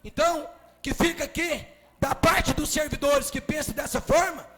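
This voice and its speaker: A Brazilian city councilman with a Minas Gerais accent giving a forceful, emphatic speech in the council chamber, often raising his voice. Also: very high voice, fairly even intonation, moderate pace. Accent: Brazilian Portuguese, Minas Gerais. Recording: reverberant chamber with faint music.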